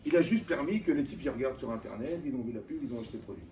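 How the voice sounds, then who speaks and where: Male rabbi, informal Torah class, animated, keeps quizzing the audience; roomy, distant recording. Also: medium pitch, racing. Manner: colloquial and animated, firing rhetorical questions at listeners. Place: lecture room with live audience. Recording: echoey room, mic at a distance, faint background noise.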